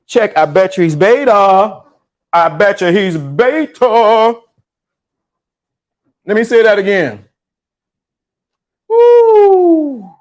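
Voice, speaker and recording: High-voiced man riffing on a live stream. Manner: loose, animated, repeats himself, slangy. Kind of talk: casual live-stream commentary.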